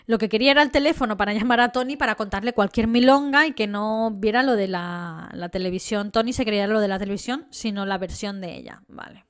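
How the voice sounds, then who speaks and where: A woman's voice: mid-range voice, a little fast, hardly any pauses, fairly bright tone, clear, resonant tone. A young woman with an accent from Spain, telling a true crime story in a casual, indignant way and talking straight to her viewers. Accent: Spain Spanish. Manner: indignant, chatty, addresses viewers directly.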